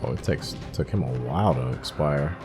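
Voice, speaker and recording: A man's voice: very deep voice, normal speed, over music. A man giving casual let's-play commentary on a video game, musing aloud as he talks through each step. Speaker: gaming streamer playing through a video game.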